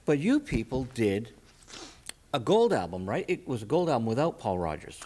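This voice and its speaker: Chatty man with lively intonation. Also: medium pitch, moderate pace. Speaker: radio interview host. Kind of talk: chatty, informal music interview.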